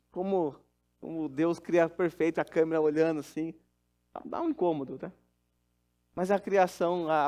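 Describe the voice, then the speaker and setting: Male pastor, middle-aged, earnest storytelling sermon, voice sits high.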